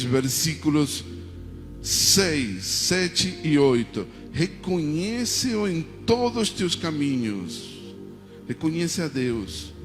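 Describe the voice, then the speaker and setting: With a voice on the high side and a big-room sound, a pastor from Argentina who speaks Spanish natively delivers a sermon in his Argentine accent. He leads call-and-response prayers, often repeating "amém."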